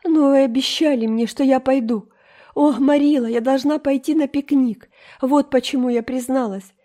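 A woman's voice: mid-range voice, steady tone, moderate pace, mellow, lightly acted. A woman voicing a dreamy, dramatic orphan girl in an audiobook, talking in a theatrical, emotional way. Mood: pleading. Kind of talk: audiobook character reading.

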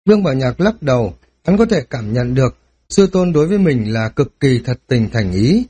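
A man narrating a fantasy novel as an audiobook, with steady storytelling and dramatic emphasis. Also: mid-range voice, normal speed, husky.

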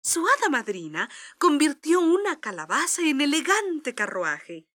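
Animated high-voiced woman storyteller. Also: a little slow. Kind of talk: scripted children's story narration.

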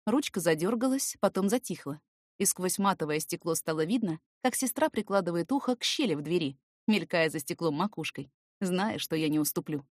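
A woman reading a first-person story as an expressive, scripted audiobook narration. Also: lowish voice, fairly quick, no room sound, clean studio sound.

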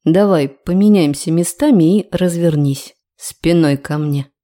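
A woman reading the part of a cocky, teasing young man in an audiobook, slow and low. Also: warm tone, close to an everyday voice.

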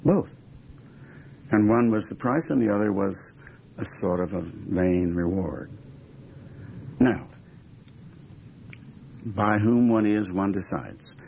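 A man giving reflective interview answers in deliberate, emphatic, measured phrases. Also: on the low side, expressive, vocal fry, a little mellow. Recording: dull lo-fi recording with background noise.

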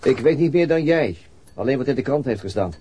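A man's voice: medium pitch, expressive, fairly quick, dark tone, a little hiss or hum, close to an everyday voice. An actor playing a weary middle-aged detective and father, laconic and dryly sardonic, in a naturalistic radio play.

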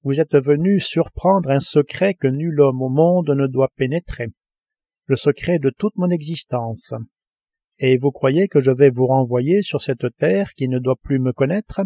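Brief: male reader as cold, grave submarine commander, dark tone, audiobook. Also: medium pitch, no echo. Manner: grave, measured. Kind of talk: audiobook reading.

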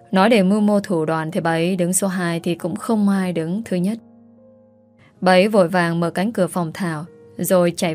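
A woman narrating a story in a calm, measured way. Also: on the low side.

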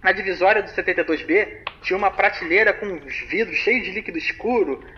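A man's voice: sits high, fast, close to an everyday voice. An actor playing a young man, casually telling a spooky story over a phone call in slangy talk. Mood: chatty. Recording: muffled phone-call recording, faint hiss.

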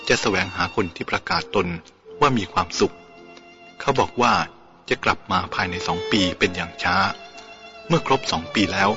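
A man's voice: fairly low pitch, natural voice. A man voicing a sympathetic young woman asking a monk for help, in an audiobook reading. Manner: gentle, explaining. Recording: dull lo-fi with faint music.

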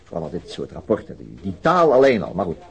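An actor playing a sober, methodical police detective in a radio drama, with a hesitant, understated way of talking. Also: male voice, sits low, huge pitch swings, brisk, gravelly, full character voice. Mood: pensive, weary. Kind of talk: naturalistic radio drama dialogue.

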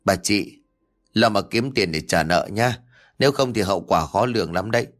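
A man voicing a sly, smooth-talking male gambling lender in a spoken story. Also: fairly low pitch, animated, lightly acted. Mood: threatening. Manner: quick, wheedling then threatening.

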